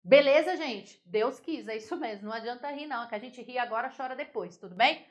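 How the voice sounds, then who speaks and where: A Brazilian Portuguese teacher, a woman, giving a lively online grammar lesson, explaining step by step and checking whether the class follows. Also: a little high, brisk.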